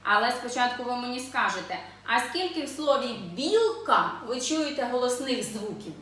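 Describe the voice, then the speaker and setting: A woman teaching young children to read, sounding out syllables slowly and asking the class questions in a sing-song way. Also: a little high, lively intonation, a bit bright. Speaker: preschool teacher. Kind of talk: children's literacy lesson. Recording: echoey room, voice from a distance.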